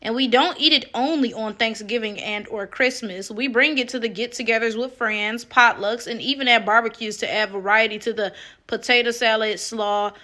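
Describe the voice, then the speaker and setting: A woman's voice: on the high side, steady tone, moderate pace, bright, forceful tone. A woman gives casual online commentary in a sassy, incredulous, emphatic manner.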